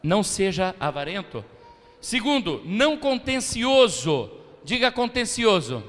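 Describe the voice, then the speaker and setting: A man's voice: sits high, very animated, moderate pace, a bit bright. A man with a Brazilian Portuguese accent preaching a sermon as pastor, drawing call-and-response from the congregation and acting out the voices of church members. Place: church sanctuary, long reverb. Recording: hall reverb of a church service.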